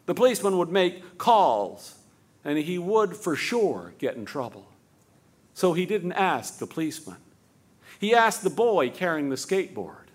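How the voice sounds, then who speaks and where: A man telling a story on stage as the show's host, stacking long run-on sentences and slowing to a hush for the tender moments. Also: sits high, sing-song. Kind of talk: live storytelling narration.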